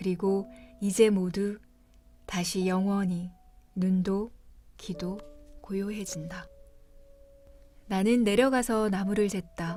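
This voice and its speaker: Over background music, a woman speaks at a medium pitch with fairly even intonation. Her pace is very slow, with long, frequent pauses. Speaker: book reader. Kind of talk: literary prose reading. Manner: slow, lyrical.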